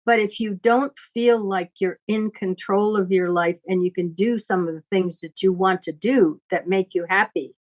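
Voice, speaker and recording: Older lady, kinda low voice, teaching conversationally, blunt and asks pointed questions. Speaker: astrologer giving teachings.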